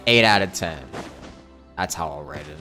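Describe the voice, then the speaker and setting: A man's voice: sits low, lively intonation, moderate pace, sharp tone. A man livestreaming a game, talking casually and thinking aloud, often repeating his phrases as he rambles. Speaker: live game streamer. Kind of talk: casual livestream chat while playing a game. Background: game music.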